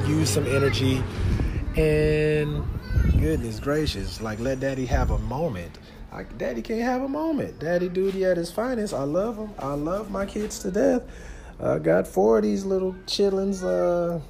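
A man's voice: fairly high pitch, creaky. A man in his thirties, a father and podcast host, venting in a rambling, earnest way and talking straight to his listeners. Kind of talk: casual venting monologue. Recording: noisy background.

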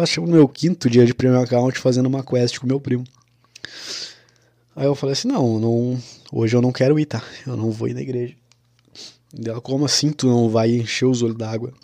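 A young man tells a personal story in a casual, confessional monologue, talking quickly at a middle pitch in a flat, even voice. He keeps using "cara" and "né." The sound is dry and close with no echo or room.

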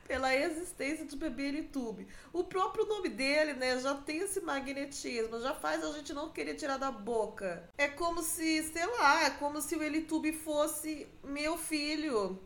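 A woman's voice: high voice, a little slow, hardly any pauses, fairly bright tone, echoey room. A Brazilian woman hosting a podcast alone, chatting casually and mockingly with frequent laughs. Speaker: podcast host. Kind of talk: casual gossip monologue. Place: room at home.

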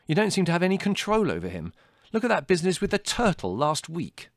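A man's voice: medium pitch, big pitch swings, moderate pace, no room sound, studio quality, pitched above the performer's own voice, natural voice. A man voicing an irascible young older brother in an audiobook, biting, sarcastic and theatrically indignant. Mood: exasperated. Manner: biting, withering, exaggerated indignation. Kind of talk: audiobook character dialogue.

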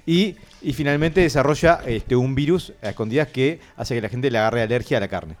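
A man's voice: mid-range voice, brisk. A man with a Uruguayan Spanish accent, a radio show host in comedic banter, playfully spinning absurd stories. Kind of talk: comedic banter among hosts.

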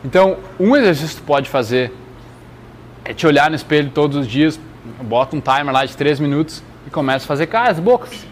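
A man's voice: fairly high pitch, animated, brisk, a little hiss or hum. A man speaking casually and earnestly, giving slangy personal advice directly to listeners. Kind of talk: casual motivational talk.

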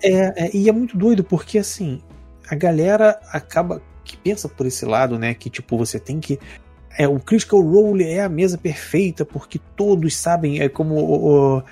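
Man, Brazilian accent, casual podcast co-host, very husky, slangy and relaxed. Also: a little high, normal speed, soft background music. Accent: Brazilian Portuguese. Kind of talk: casual chat about tabletop games.

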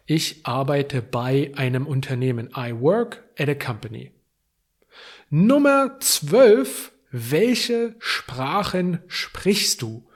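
A man hosting a language-learning podcast. He says short phrases slowly, repeats them, and explains them in English. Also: on the high side, lively intonation. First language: German. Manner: slow, clear repetition of phrases, explaining in English. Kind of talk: slow bilingual language lesson.

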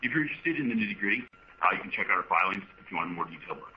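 A man answering investor questions as a finance executive, explaining in a measured way and often repeating words. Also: sits low, lively intonation. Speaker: finance executive on an earnings call. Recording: muffled, faintly noisy conference line.

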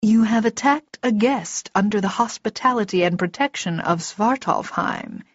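A woman voicing a small male dark-elf warrior in an audiobook, calm, formal, measured and pitiless. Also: mid-range voice, slightly rough, no echo, lo-fi sound, lightly acted. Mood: calm, stern. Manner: formal, measured, quiet, emotionless.

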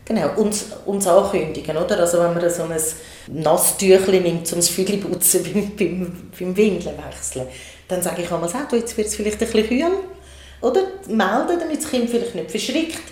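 Mellow Swiss German woman, echoey room. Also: on the low side, normal speed. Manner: calm, explanatory, acts out soothing words to a baby. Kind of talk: casual conversation.

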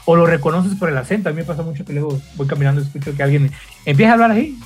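A man's voice: a little high, very fast, slightly rough, faint music behind. A man from southern Mexico with a slight Tabasco Mexican Spanish accent, chatting casually and joking with slang. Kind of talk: casual chat.

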